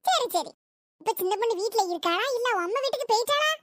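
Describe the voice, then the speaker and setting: Brief: woman doing a shrill, fast-talking gossipy village housewife in a cartoon. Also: lively intonation, a bit bright, dry recording, clean studio sound. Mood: chatty. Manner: quick, exclaiming village gossip. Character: gossip-loving housewife, idle and fussy. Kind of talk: cartoon comedy voice acting.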